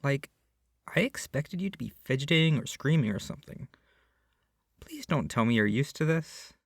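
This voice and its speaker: For an ASMR roleplay aimed at the listener, a man plays a young male yandere captor who is doting and possessive. He speaks softly and with awkward hesitation at a normal pace, frequently dropping to a whisper, and his pitch swings animatedly. The mood is calm and doting, and the recording is completely dry with no room sound.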